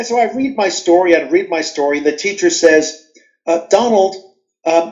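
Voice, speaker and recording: Here is a man with an American accent at a moderate pace. His pitch swings very widely. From Brooklyn, New York. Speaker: drama professor and educator. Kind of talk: interview storytelling. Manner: animated.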